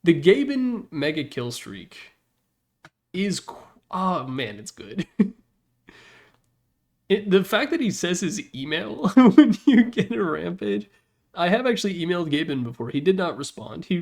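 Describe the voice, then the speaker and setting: A man's voice: a little high, big pitch swings, normal speed. Casual, blunt guy doing commentary. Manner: informal and blunt, with swearing. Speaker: gaming content creator and host. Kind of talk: casual opinionated tier-list commentary.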